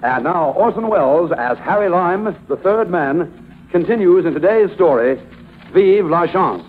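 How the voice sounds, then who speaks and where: A man's voice: high-pitched, animated, measured pace. A man announcing a radio drama in a formal, declaiming 1950s style. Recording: tinny old radio with loud music.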